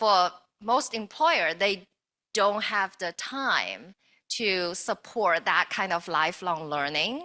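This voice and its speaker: Speaking at a very slow pace in a bright, sharp tone, a woman is heard on a very clean recording with a silent background. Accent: Chinese. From China, Shanghai. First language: Mandarin Chinese. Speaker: talent development executive. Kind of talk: panel discussion.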